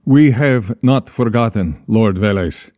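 A man voicing a nervous young male soldier who speaks quickly to please a god. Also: fairly low pitch, dark tone, dry recording, lo-fi sound. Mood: placating. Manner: hurried, placating.

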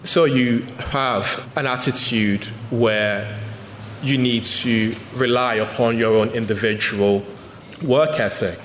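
A man's voice: mid-range voice, fairly even intonation, takes it slowly, fairly bright tone. A man, the guest author, giving a thoughtful public talk with frequent restarts and ums. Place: lecture hall. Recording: echoey hall with faint noise.

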